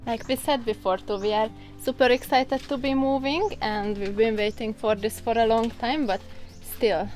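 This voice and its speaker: Chatty higher-voiced woman vlogging outdoors. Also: steady tone, normal speed, darkish tone, faint music behind. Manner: giggly, chatty. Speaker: vlog host. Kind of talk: casual outdoor cooking vlog, explaining a recipe. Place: outdoors on a farm.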